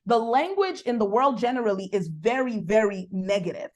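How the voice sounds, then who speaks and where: A woman with a Nigerian accent speaks as a guest coach on a faith-driven podcast. She talks in a lively, preacherly way, rushing ahead in quick bursts and then leaning hard on key words. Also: medium pitch. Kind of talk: faith-based coaching conversation.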